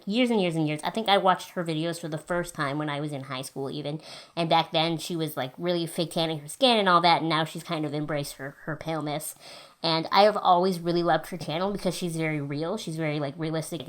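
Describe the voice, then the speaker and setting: Brief: low-pitched Canadian woman in her twenties, chatty beauty vlogger, voice slightly off from a cold. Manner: chatty and enthusiastic with frequent fillers. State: under the weather, voice a little off. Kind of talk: casual monthly favorites vlog.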